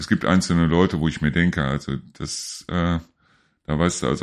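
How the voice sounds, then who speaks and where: The voice has vocal fry and fairly even intonation. It moves at a moderate pace. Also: man, quiet background. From Lower Rhine, Germany (Neuss). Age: 50s. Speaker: internet radio host. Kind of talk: solo commentary monologue. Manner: casual, rambling with fillers.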